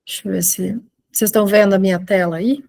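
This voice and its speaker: A woman from Argentina living in Brazil, a photojournalist giving an informal online talk in a halting, conversational way with trailing asides. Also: medium pitch, fairly even intonation, gravelly, a little mellow. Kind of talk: informal online presentation of own work. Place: video call.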